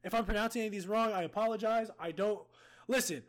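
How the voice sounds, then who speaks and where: A man's voice: high-pitched, fast. A young man co-hosting a casual podcast, running a silly quiz game with a goofy, joking manner. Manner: goofy, joking, animated game-show announcing. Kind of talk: casual chat.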